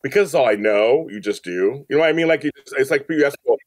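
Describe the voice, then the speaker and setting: A man's voice: medium pitch, quick pace, no room sound. An American man in his fifties chatting casually and jokingly as a podcast guest. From Los Angeles, United States. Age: 50s. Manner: animated, joking, conversational. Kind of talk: casual interview chat.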